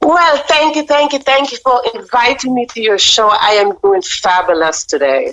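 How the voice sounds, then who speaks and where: Speaking in a Jamaican accent, a woman uses a high pitch with very wide swings. She talks with hardly any pauses. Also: moderate pace. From Jamaica, Saint Andrew. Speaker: book author. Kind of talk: radio interview. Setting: radio show.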